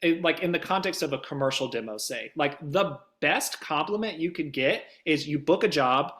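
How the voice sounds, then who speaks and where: Man, higher-pitched bright voice, emphatic informal delivery, casual interview guest, animated. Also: moderate pace. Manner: emphatic, informal, acts out little quoted exchanges. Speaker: voiceover demo producer being interviewed.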